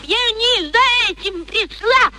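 An actress playing a wary, uneducated young girl, rough-spoken, defiant and plaintive, in a vintage radio play. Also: extremely high pitch, expressive, slow pace, full character voice. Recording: old radio recording with faint noise.

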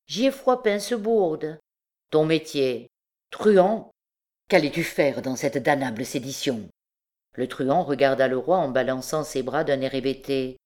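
A woman narrating a classic novel as an audiobook, with a measured, clear reading. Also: deep voice, darkish tone.

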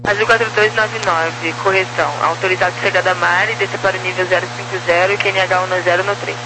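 A man's voice: high-pitched, steady tone, fast talker. A man with a Brazilian accent issuing air traffic control instructions over a two-way radio. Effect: heard over two-way radio. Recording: very noisy aviation radio transmission.

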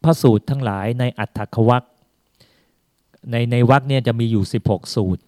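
A man's voice: mid-range voice, moderate pace, a little mellow, dry recording. A man, a Buddhist monk, giving a conversational sermon, retelling a scripture story and then recapping it in plain words, with casual fillers throughout. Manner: sprinkles casual particles and fillers through his talk.

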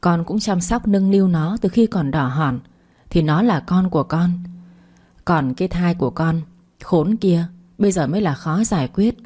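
A sorrowful older mother, quietly coaxing her daughter, read by a woman storyteller. low and dark, spoken in the reader's own voice. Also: expressive, moderate pace. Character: worried older mother, gently advising.

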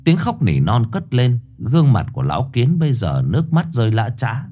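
A man's voice: medium pitch, wildly swooping pitch, normal speed, warm tone. Dramatic male ghost-story narrator. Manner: dramatic, suspenseful reading.

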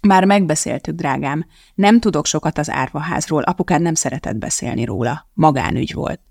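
An audiobook reader voicing a blunt, determined woman who talks firmly and matter-of-factly, with a creaky edge. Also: medium pitch, darkish tone, dry recording, studio quality. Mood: steady. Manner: firm and matter-of-fact. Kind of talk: audiobook character voice.

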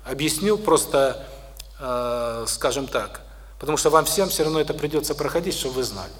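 A middle-aged man giving a spoken lecture to an audience, unhurried, with many pauses and restarts. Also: medium pitch, expressive, a bit bright.

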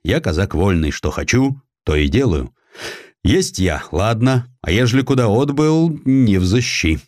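A man's voice: on the low side, animated, a little slow, darkish tone, no room sound, clean studio sound. A man voicing a bold, free-spirited Cossack adventurer with blunt, folksy speech in an audiobook. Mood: blunt, defiant. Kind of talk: audiobook character acting.

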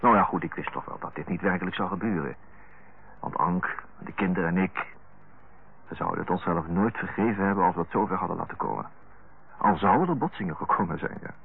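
Deep, husky, earnest brother on tinny old radio. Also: male voice, full character voice. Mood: frank, affectionate. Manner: hesitant, searching, self-correcting. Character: earnest, affectionate middle-aged younger brother, tactfully frank. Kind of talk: radio drama acting. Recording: tinny narrow-band old radio recording.

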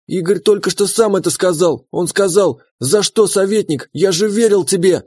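A man's voice: high-pitched, normal speed, darkish tone, slightly rough, no echo, clean studio sound, pitched above the performer's own voice. A man voicing a scheming prince's wife who shrieks accusations with theatrical fake grief in an audiobook. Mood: accusing shrill.

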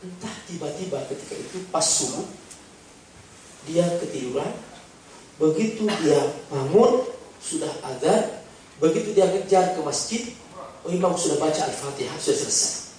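A male preacher giving a sermon full of stories, animated and swinging between hushed and emphatic. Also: on the high side, normal speed, pauses often, a little hiss or hum. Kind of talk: sermon with storytelling. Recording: echoey hall from far off.

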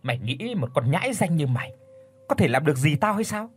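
A man's voice: on the high side, big pitch swings, a little fast, husky, soft background music, voice pushed up. A man voicing a scheming older woman who runs a brothel, cold and mocking in an audiobook. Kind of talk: audiobook character voice.

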